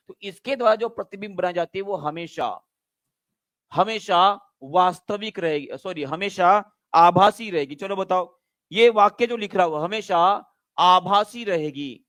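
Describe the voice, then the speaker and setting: A man teaching a live online exam-prep class, drilling students repeated questions and quick checks. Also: high-pitched, a bit bright, no echo, clean studio sound.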